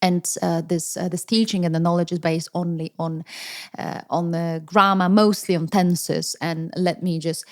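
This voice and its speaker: The speaker talks at a moderate pace with a Polish accent and monotone, flat intonation. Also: woman. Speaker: English teacher. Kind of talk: podcast monologue. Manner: halting, many fillers.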